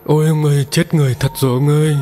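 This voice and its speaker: A man doing a frantic, shrill village wife. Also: a little fast, darkish tone, faint music behind, close to an everyday voice. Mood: panicked. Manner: shrill, panicky and pleading. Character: frantic frightened middle-aged village wife. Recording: long reverb.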